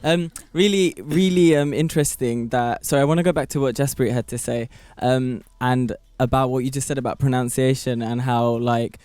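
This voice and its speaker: A man's voice: medium pitch, moderate pace, few pauses, a little mellow, clear, resonant tone. A British man on a radio panel, joking and provocative, thinking aloud with ums. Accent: British English. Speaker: studio panel guest. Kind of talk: debate discussion.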